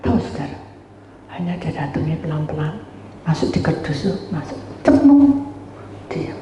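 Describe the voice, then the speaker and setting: Woman pastor, animated sermon storytelling, mellow voice, long hall reverb. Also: sits low, moderate pace, a little hiss or hum. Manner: animated, acts out dialogue, addresses congregation as "saudara". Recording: roomy hall, voice from far off.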